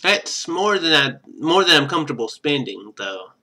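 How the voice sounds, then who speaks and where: Bright-voiced man, lively game streamer. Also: a little high, moderate pace, gravelly. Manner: rambling, chatty asides between read passages. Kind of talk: reading visual novel aloud with casual live commentary.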